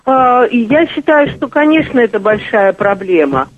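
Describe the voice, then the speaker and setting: A woman's voice: fairly high pitch, big pitch swings, normal speed. A woman journalist calling in to a radio interview, answering hesitantly with many fillers. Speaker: journalist and guest. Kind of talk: phone-in interview. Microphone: telephone. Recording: tinny phone line.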